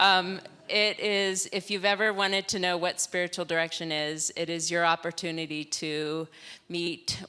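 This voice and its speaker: A woman speaks loudly at a fairly slow pace, her fairly low voice carrying a bright, sharp tone and fairly even intonation. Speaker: spiritual director. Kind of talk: church announcement. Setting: church sanctuary, livestreamed.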